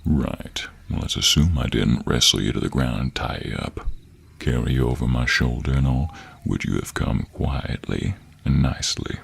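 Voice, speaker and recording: A man playing a gruff, teasing cowboy monster hunter with a gentlemanly streak in an intimate audio roleplay, drawling in a deep, gravelly, husky American cowboy accent. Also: fairly even intonation, moderate pace, heavily acted. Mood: stern, probing.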